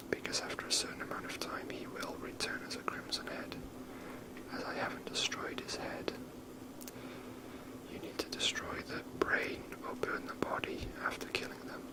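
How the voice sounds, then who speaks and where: A person whispering ASMR gaming commentary in a rambling, unhurried, explanatory way. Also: poor audio. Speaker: video game player commentating.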